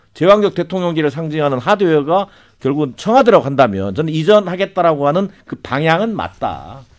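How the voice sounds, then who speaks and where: A man speaks at a fairly quick pace with lively intonation and a fairly high pitch. The background is quiet. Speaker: political commentator, professor. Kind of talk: political panel discussion. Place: studio. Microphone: studio mic.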